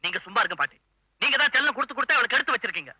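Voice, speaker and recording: A man's voice: very high-pitched, lively intonation, rapid-fire, sharp tone, slightly rough, full character voice, low-quality recording. An actor playing an irritable young man who keeps scolding a childlike woman in a 1980s film, grumbling in exasperation.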